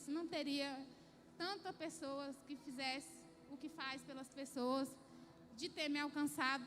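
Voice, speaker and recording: A Brazilian woman gives a fervent, emphatic church testimony, repeating herself for emphasis, in a church hall on a handheld mic. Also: high voice. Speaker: church member giving testimony.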